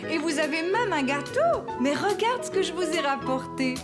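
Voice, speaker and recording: A woman's voice: sits high, lively intonation, normal speed. A woman playing an affectionate, polite mother in a children's cartoon. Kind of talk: French children's cartoon dialogue. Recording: music behind.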